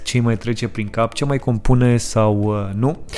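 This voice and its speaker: Over noticeable background noise, a man with a medium pitch speaks at a fairly slow pace. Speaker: podcast host. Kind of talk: casual interview.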